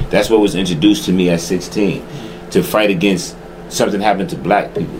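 With a New York accent, a man with a fairly low pitch talks very fast with ordinary pitch variation over noticeable background noise. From New York City. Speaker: community organization founder and political candidate. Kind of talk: casual panel discussion. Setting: studio.

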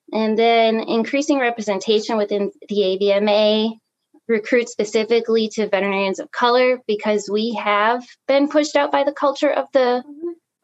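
A woman with an ordinary speaking voice talks at a moderate pace and a fairly high pitch, with ordinary pitch variation. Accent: American. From US Midwest, Chicago. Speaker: veterinarian, association founder. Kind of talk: panel discussion.

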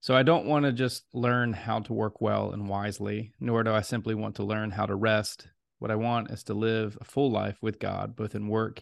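A man with an American accent speaks in an ordinary speaking voice at a moderate pace, his pitch fairly low. His intonation is fairly even, and the background is quiet. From US East Coast, Bible Belt. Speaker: podcast host. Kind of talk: interview.

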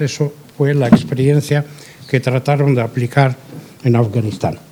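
A fairly high-pitched man's voice with an Arabic accent, over noticeable background noise. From Egypt, Cairo. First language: Arabic (speaking Spanish). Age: 70s. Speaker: journalist. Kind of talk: panel talk.

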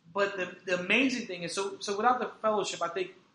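A man with an American accent at a fairly quick pace, ordinary pitch variation, and noticeable background noise. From New York. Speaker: reentry program director. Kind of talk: interview.

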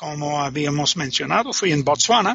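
A man with an English accent speaks at a fairly high pitch. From England. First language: English (speaking Spanish). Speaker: retired oil executive. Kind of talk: interview. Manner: halting.

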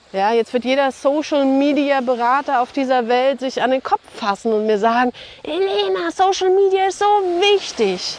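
Over noticeable background noise, a woman with a slight non-native accent speaks at a moderate pace, her high pitch making very wide swings. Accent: slightly non-native German. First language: not German, multilingual (speaking German). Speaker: podcast host, EFT coach. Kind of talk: motivational podcast monologue. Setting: outdoors at the beach. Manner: casual, with fillers.

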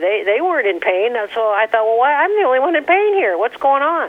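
Amid noticeable background noise, a woman with an American accent speaks at a fairly quick pace, her high pitch swinging very widely. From US Midwest, Michigan. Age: 70s. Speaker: nun and retired teacher. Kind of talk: interview, personal testimony. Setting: phone call, sitting on her bed.

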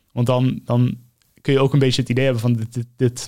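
A man's medium-pitched voice at a fairly quick pace, monotone and flat. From southern Limburg, Netherlands (Maastricht). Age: 20s. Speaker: astronomer, PhD researcher. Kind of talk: interview. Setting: studio. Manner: hesitant, repeats words.

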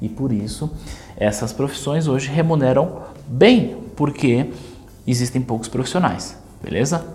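Pausing long and often, a man of medium pitch speaks with lively intonation. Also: fairly slow pace. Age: 30s. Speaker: finance podcast host. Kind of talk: solo podcast monologue. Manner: animated.

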